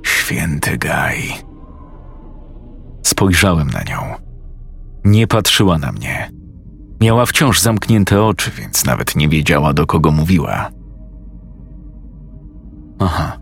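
A man narrating a first-person horror story slowly and with suspense. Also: extremely low pitch, big pitch swings, gravelly. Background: faint music.

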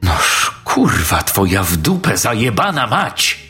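Man playing a raging construction boss, bright tense voice, wildly swinging pitch, swearing, scornful, faint music behind. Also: huge pitch swings, slow, exaggerated voice. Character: hulking, furious male construction boss, foul-mouthed.

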